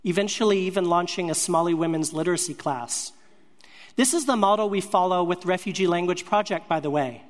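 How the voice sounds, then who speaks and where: High-voiced man preaching in a reverberant hall. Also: a little fast. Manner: earnest, speaks in short broken-up phrases. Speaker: speaker sharing a ministry testimony. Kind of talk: storytelling sermon.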